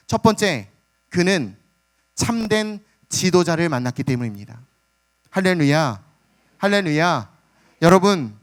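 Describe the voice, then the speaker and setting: A man preaching a sermon as pastor, telling the story with dramatic flair and calling out to the congregation. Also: high voice. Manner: dramatic storytelling, acts out the beggar's cries; calls out "hallelujah" and addresses the congregation.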